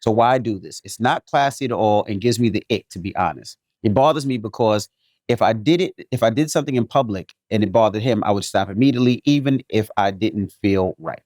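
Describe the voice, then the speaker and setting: New york guy on a podcast, jokey and animated, reads an email then rambles his take, dry room. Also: lowish voice, a little fast, dry recording. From New York City. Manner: animated, jokey, repeats himself. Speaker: podcast co-host. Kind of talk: casual chat, reading a listener email.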